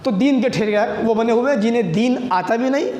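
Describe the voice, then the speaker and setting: A man with a strikingly high voice delivers a religious sermon. He asks rhetorical questions and weaves in Arabic hadith quotations. The sound carries a roomy echo with a faint hiss of noise behind it. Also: a little fast, a little mellow. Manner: addresses listeners as brothers. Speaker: Islamic preacher. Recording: echoey room, faint background noise.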